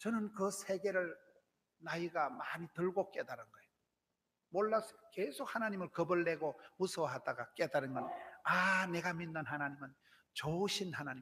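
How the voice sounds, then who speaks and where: The voice has a bright, sharp tone and ordinary pitch variation at a moderate pace. Its loudness swings widely. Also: man, high pitch for a man. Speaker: guest pastor. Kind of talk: sermon. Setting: church revival meeting. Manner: animated.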